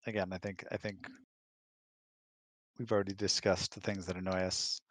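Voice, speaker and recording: A man chatting casually, explaining his views in a measured, reflective way. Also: low voice, level tone, fairly bright tone, dry recording. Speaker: guest, husband of the host. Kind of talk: casual chat.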